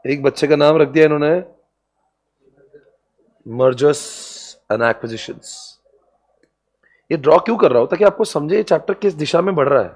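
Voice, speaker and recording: A man lecturing a class with a fairly high voice. He keeps the lesson light and playful, jokes with his students and laughs often. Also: moderate pace, pauses often, husky. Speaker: commerce exam lecturer.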